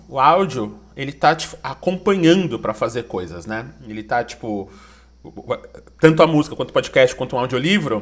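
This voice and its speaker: Speaking at a moderate pace, a man with a medium-pitched voice and vocal fry makes very wide pitch swings and big swings in loudness. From Brazil. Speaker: filmmaker and narrative strategist; interview guest, podcast director. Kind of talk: casual interview. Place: home room.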